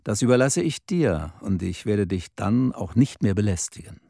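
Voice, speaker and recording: An earnest man pleading softly, as a narrator reads him, dark and mellow in tone. His pitch moves a lot, and the recording is dry and close. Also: animated, moderate pace, creaky, no echo. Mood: pleading, gentle. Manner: pleading, gentle.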